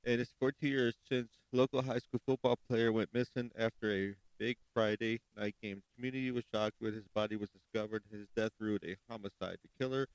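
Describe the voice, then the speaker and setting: A man's voice: lowish voice, fairly even intonation, smooth, no echo, rough recording. A man from Chicago hosting a casual true crime podcast, rambling and correcting himself as he goes. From Chicago, United States. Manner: rambling, self-correcting, spells things out slowly. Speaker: podcast host.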